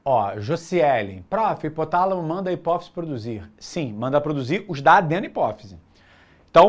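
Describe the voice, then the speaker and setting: Brazilian male teacher, jokey and slangy, voice rising and falling a lot. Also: sits high. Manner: slangy, joking, lively lecturing. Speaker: biology teacher. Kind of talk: live online exam-prep class.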